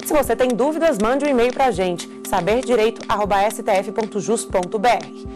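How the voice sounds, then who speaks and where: A Brazilian woman reading a scripted closing announcement in a clear, upbeat announcer delivery. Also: a little high, brisk. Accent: Brazilian Portuguese. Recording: announcer voice over loud music.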